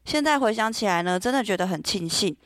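A young woman from Taiwan, hosting a solo podcast and telling a personal story in a gentle, earnest way with many soft pauses. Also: mid-range voice, expressive, dry recording, studio quality. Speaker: podcast host. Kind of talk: scripted solo podcast talk.

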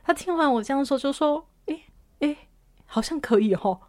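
A woman podcast host and counselor, telling a personal story in an animated way, often laughing and moving between soft and loud. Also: high voice, moderate pace, dry recording, clean studio sound.

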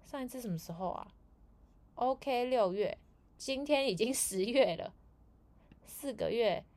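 A woman's voice: fairly high pitch, lively intonation, unhurried, a little mellow. A woman hosting a casual solo podcast, telling rambling stories full of fillers. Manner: rambling storytelling with many fillers. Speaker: podcast host.

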